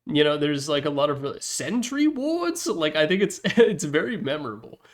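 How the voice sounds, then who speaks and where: His voice sits on the high side and is very animated, moving at a normal speed. As host, he ranks game announcer packs in a loose, rambling way, blunt and candid with plenty of cursing. The recording comes from his room on a Yeti desktop microphone.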